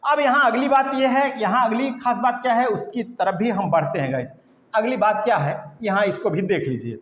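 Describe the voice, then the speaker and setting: A man teaching biology in a classroom lecture, mixing Hindi with English terms, asking and answering his own questions and repeating key points slowly. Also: high voice, fairly bright tone. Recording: echoey room with long reverb.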